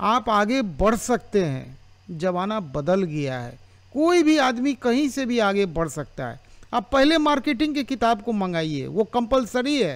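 The man's pitch is high and swings very widely. He speaks at a very slow pace. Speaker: show host giving advice. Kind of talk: advice to a caller on a live show.

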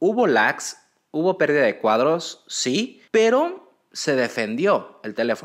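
Very slowly and against a quiet background, a man speaks at a fairly high pitch with very wide pitch swings. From Mexico, Acapulco (Guerrero); Guerrero, Mexico. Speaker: tech YouTuber. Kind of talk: product review. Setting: on location while traveling, not usual studio. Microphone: handheld.

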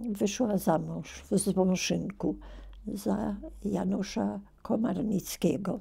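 Very slowly, a woman talks with only quiet behind her. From Poland, Poznań; Poland. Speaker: oral history witness; witness. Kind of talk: oral history testimony; interview answer. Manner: halting. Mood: quiet, reflective, somber. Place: home room.

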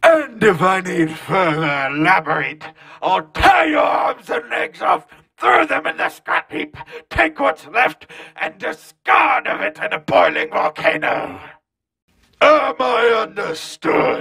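A man shouts in a put-on character voice that is raspy and fairly high-pitched. He goes at a fairly slow pace. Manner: menacing, commanding, shouting.

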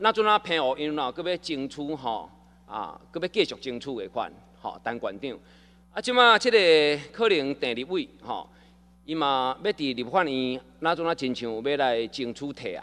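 Over music in the background, a man with a fairly high pitch speaks at a moderate pace, with very wide pitch swings and big swings in loudness. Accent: Taiwanese. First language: Taiwanese Hokkien (speaking Chinese). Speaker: city councillor. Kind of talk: council interpellation. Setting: council chamber.

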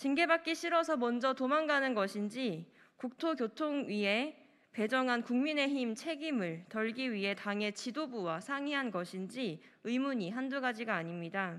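High-pitched female speech, lively in intonation and fairly slow in pace. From South Korea. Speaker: party leader. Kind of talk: press conference statement. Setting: press briefing room. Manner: formal. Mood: firm, critical. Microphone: podium.

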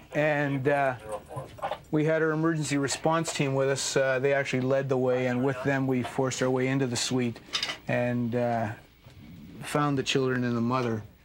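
Speaking at a moderate pace with a Canadian accent, the voice stays monotone and flat, with very even loudness and noticeable background noise. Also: man. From Canada. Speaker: police officer. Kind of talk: on-scene commentary. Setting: outdoors. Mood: calm, matter-of-fact recounting. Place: home room.

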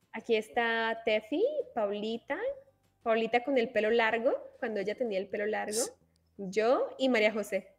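A woman with a fairly high voice talks at a moderate pace in a fairly even intonation, leaving long, frequent pauses. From Colombia, Cúcuta; Colombia. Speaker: Spanish tutor. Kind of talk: casual chat. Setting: video call. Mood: warm, encouraging. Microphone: webcam.

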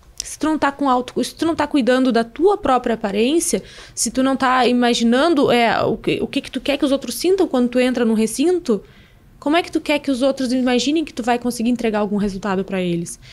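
A woman with a high pitch and lively intonation. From Rio Grande do Sul, Brazil (Bagé); Rio Grande do Sul, Brazil. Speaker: fashion business owner; podcast guest. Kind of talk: interview. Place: studio. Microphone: studio mic.

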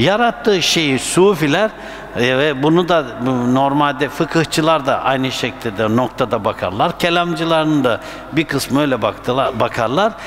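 Speaking at a moderate pace with very even loudness, a man with a plain, everyday voice sounds fairly high for a man and uses lively intonation over light background noise. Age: 50s. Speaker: Sufi sheikh and religious teacher; religious teacher answering questions. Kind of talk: Q&A talk on religion. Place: hall. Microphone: handheld.

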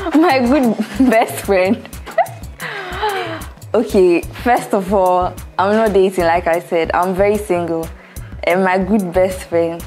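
Speech comes at a fairly slow pace with long, frequent pauses and ordinary pitch variation. Faint music plays in the background. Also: woman. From Ghana. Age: 20s. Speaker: actress. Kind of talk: casual Q&A answers to camera. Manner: soft-spoken. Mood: relaxed, often smiling. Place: studio. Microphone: lapel.

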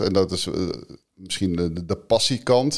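Fairly slow speech from a man, quiet background behind him. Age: 50s. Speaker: investor and entrepreneur; interviewee. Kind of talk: interview. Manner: hesitant, many filler sounds. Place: studio. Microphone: studio mic.

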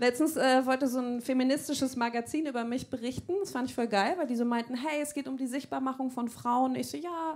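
Against a quiet background, a woman with a high pitch talks at a fairly quick pace with fairly even intonation and hardly any pauses. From Berlin, Germany. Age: 40s. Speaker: stand-up comedian. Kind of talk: stand-up. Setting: stage with audience. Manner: casual, lots of filler sounds. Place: stage. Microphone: handheld.

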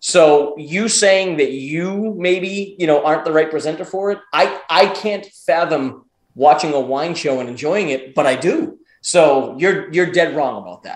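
Talking at a fairly slow pace with an American accent, a man uses a high pitch with ordinary variation and big swings in loudness amid audible room echo. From United States. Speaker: podcast co-host. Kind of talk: casual chat. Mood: enthusiastic, chatty. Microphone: earbuds.

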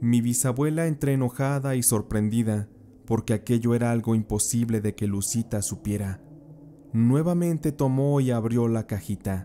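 This speaker has a Mexican accent and ordinary pitch variation. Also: man, medium pitch for a man, very even loudness. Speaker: horror story narrator. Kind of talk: scripted horror story narration, retelling family legend. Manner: slow, hushed, eerie storytelling with suspenseful pacing.

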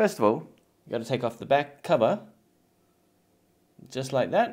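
Very wide pitch swings mark a man's speech at a moderate pace. The background is quiet. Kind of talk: casual tutorial chat. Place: garage.

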